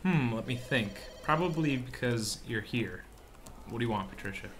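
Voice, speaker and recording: A man acts out a bitter police evidence clerk in a radio play. His mid-pitched voice is dry, deadpan and sarcastic. A little noise sits in the background. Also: moderate pace, natural voice. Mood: sour, sarcastic. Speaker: actor in a sci-fi radio drama. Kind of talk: radio drama acting.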